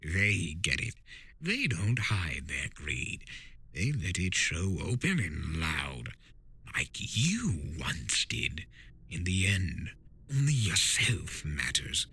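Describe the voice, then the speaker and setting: A man voicing a fallen demonic centaur tyrant, proud, greedy and bitter, in a deep growling, menacing cartoon-villain delivery. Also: sing-song, slow, bright, forceful tone, breathy edge, full character voice. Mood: proud, scornful. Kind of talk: dramatic fan fiction reading of a cartoon villain.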